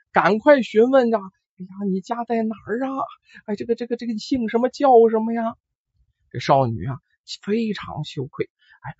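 A male storyteller spins a folk ghost tale in a high, lively, husky voice, breaking in with frequent exclamations. The recording is dry and dull, with a lo-fi sound. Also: dry recording.

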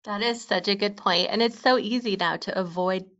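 A woman's voice: mid-range voice, normal speed, a bit bright. A woman hosting a podcast, reading out listener questions and responding to the guest. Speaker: podcast host. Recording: dull, slightly lo-fi sound.

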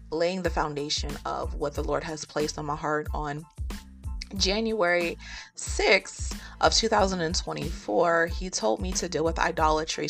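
A woman with a low, gravelly voice teaches the Bible in an earnest, chatty way. She fills her talk with ums and falls into preacherly rhymes. Faint music plays behind her. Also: a bit bright. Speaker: podcast host and teacher.

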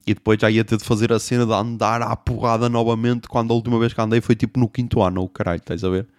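Animated man telling a story. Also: fairly low pitch, quick pace, no room sound, studio quality. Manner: animated, swearing, sound effects. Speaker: podcast host. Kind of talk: comic storytelling.

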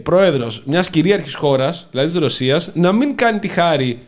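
A man co-hosting a satirical chat show, animated and rambling in mock-patriotic tones. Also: fairly high pitch. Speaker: podcast co-host.

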